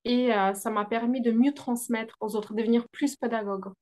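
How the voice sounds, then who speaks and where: Guest: non-native French-speaking woman, business coach, higher voice, hesitant, filler-heavy delivery. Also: steady tone, moderate pace, darkish tone. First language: not French. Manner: hesitant, many fillers, laughs often. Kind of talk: interview answers, explaining.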